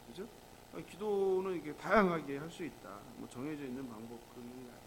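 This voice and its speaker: Male pastor, high and animated, chatty sermon full of questions to the room, faint noise under it. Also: rough recording. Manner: conversational, asks the congregation rhetorical questions. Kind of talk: early morning prayer sermon.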